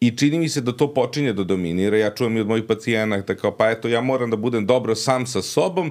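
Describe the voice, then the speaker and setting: Very fast male speech with hardly any pauses and ordinary pitch variation, over a quiet background. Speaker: psychiatrist podcast guest or co-host. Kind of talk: interview answer. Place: studio. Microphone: studio mic.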